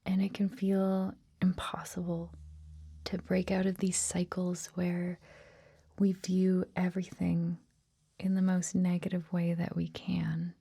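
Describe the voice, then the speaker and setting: A woman whispering softly in a gentle, reassuring ASMR style, as if hosting a guided meditation. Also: fairly low pitch, monotone. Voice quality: breathy, whispered, soft. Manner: gentle, slow, hushed, reassuring. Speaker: host of a guided meditation series.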